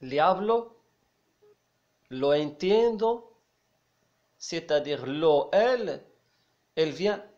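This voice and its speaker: A man teaching a language lesson, explaining slowly and repeating each phrase with some hesitation. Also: on the high side, darkish tone. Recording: dull lo-fi sound.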